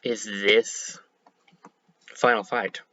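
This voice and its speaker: Casual male game streamer, slightly hoarse, bright tense tone, thinks out loud; dry, dull home mic. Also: lowish voice, little pitch movement, very slow, dry recording. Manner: chatty, self-correcting, thinks aloud. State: a bit hoarse. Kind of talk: casual let's-play commentary.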